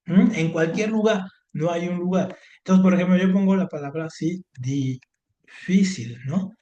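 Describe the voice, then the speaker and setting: A man tutoring a student, explaining step by step, repeating words and filling pauses with little affirmations. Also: high-pitched, steady tone, darkish tone, highs cut off. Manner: patient, explains step by step, repeats words, frequent "ajá" and "ujú". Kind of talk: online Spanish grammar lesson. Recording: roomy echo.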